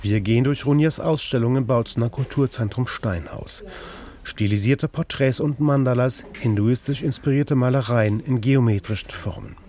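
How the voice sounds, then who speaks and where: A man's voice: mid-range voice, normal speed, mellow, a little hiss or hum. Man narrating a radio report.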